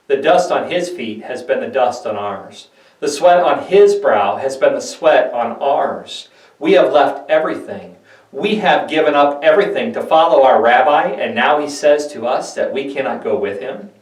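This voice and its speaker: A man giving a solemn, deliberate scripted dramatic narration of scripture, like a pastor reading. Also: medium pitch, lively intonation. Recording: echoey room, distant microphone.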